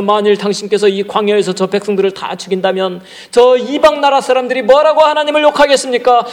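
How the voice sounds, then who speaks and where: A man's voice: high voice, gravelly, big-room sound, pitched above the performer's own voice, exaggerated voice. A man voicing Moses as an old leader begging for mercy for his people, with impassioned pleading.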